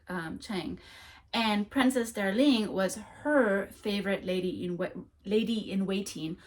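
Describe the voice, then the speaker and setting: A woman who is a French speaker, chatting casually through a monthly reading wrap-up, rambling with frequent ums and restarts. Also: medium pitch. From United States. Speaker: book vlogger.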